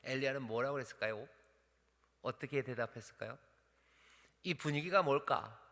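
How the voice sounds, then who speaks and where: A bright-voiced male pastor preaching in a reverberant church. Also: mid-range voice, moderate pace, gravelly. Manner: dramatic, acts out quoted voices, asks the congregation questions. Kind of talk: sermon. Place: church sanctuary.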